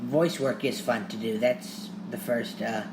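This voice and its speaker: A man's voice: mid-range voice, fairly even intonation, unhurried, background noise. A man from Louisiana with a strong Southern accent, hosting an interview in a friendly way and often agreeing. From Louisiana, United States. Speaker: podcast host. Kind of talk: podcast interview.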